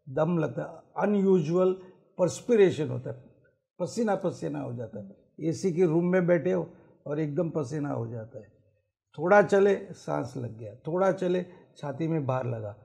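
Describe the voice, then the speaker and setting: A man's voice: on the high side, expressive, measured pace, gravelly, mellow. A middle-aged man, a cardiologist, giving explanatory answers in a TV studio interview and mixing English phrases into his speech. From Mumbai. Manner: mixes English phrases into Hindi, lists symptoms and risks. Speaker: cardiologist guest. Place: TV studio set.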